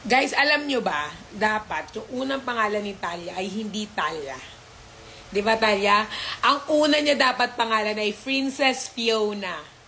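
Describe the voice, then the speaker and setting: A woman's voice: medium pitch, lively intonation, unhurried, pushed and bright, slight background noise, low-quality recording. Playful woman chatting to her dogs. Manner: playful scolding, baby-talk to pets. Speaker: live stream host with her dogs. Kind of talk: casual live stream chat.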